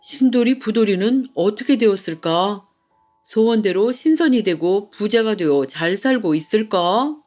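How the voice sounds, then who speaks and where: A woman voicing an earnest, loyal gentleman scholar in a children's folktale, with expressive old-fashioned speech. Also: mid-range voice, moderate pace, soft background music, close to an everyday voice. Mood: wondering. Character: earnest young scholar turned official, loyal to friends. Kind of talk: children's storybook character voice.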